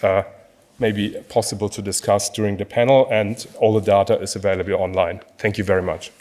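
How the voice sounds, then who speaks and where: A man talks through his slides at a conference, his sentences broken up by frequent "um"s and "uh"s. His voice sits at an ordinary middle pitch for a man. He speaks in short, halting bursts and keeps restarting his phrases. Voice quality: hesitant, frequent fillers. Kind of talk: conference presentation.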